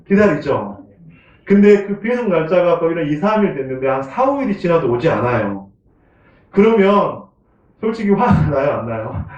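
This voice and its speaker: A man's voice: on the high side, a little mellow. A male pastor preaching a Sunday sermon in a conversational way, often asking the congregation questions and chuckling. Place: church sanctuary. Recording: echoey room, from a distant mic, dull sound.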